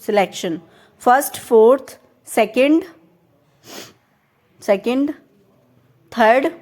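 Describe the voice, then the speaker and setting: High-voiced young woman explaining step by step. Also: very slow, a little mellow. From India. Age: young adult. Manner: step-by-step, asks the viewer questions. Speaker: teacher. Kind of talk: explaining a reasoning lesson.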